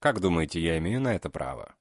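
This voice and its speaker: A man voicing a calm, mocking male killer known as the beast. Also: sits low, no echo, studio quality. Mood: cold. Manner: cold, unhurried, mocking.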